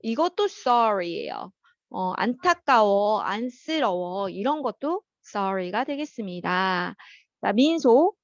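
A woman teaching an English vocabulary class. She calls on students by name, explains words in Korean, and reads the English example sentences slowly and carefully. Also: medium pitch, lively intonation, no echo, highs cut off.

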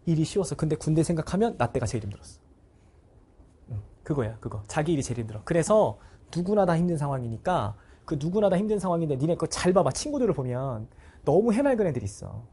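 A man's voice: fairly high pitch, big pitch swings, fast talker, warm tone, breathy edge. A male cram school teacher giving a blunt, casual motivational talk to his students. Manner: acts out students' voices in short bursts.

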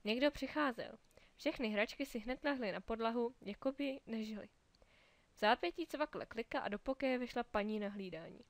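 A woman reads a children's storybook aloud, clear and lively, and gives the characters small voices of their own. Her voice sits a little high, and the recording is dry with no room echo.

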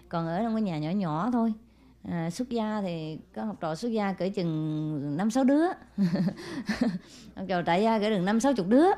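A woman's voice: mid-range voice, warm tone. Chatty woman teacher telling a story. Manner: chatty, frequent "ừ" and "à" fillers, asks listeners "hiểu chưa?"; switches to brisk, scolding asides to attendants. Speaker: spiritual teacher speaking to followers. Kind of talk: informal spoken teaching with storytelling.

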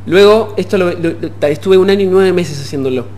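A young man with an Argentine accent, explaining his work haltingly as a musician guest in a studio interview. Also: high voice, darkish tone. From Puerto Madryn, Argentina. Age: young adult. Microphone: desk gooseneck microphone.

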